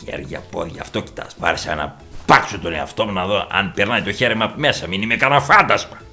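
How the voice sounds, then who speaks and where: A man's voice: on the low side, bright, forceful tone, faint music behind. A man playing a blunt, boastful rural uncle with a rural Epirus accent, who swears freely and tells tall tales in an improvised comic monologue. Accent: rural Epirus Greek. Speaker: comic character reacting to videos.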